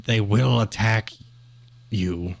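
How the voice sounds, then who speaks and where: A man acting as game master, improvising and chatting casually in a halting, conversational way. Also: lowish voice, creaky.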